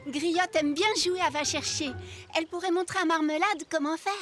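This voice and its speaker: A woman voicing a kind, gentle young cartoon girl who speaks softly and encouragingly, in a French cartoon dub. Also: very high voice, fairly even intonation, moderate pace. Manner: soft-spoken, encouraging. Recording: cartoon soundtrack with loud music.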